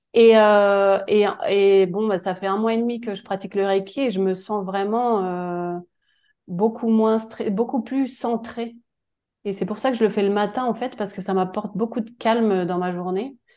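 Speaking at a fairly slow pace, a woman with a dark, mellow tone and medium pitch keeps her intonation fairly even over a quiet background. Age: 40s. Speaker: reiki student. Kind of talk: casual chat.

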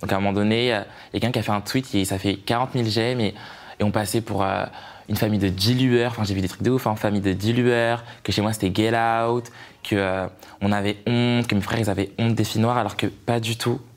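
Monotone and flat, a man speaks at a fairly low pitch with very even loudness. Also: fairly quick pace. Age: 20s. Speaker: family vlogger. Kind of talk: casual interview.

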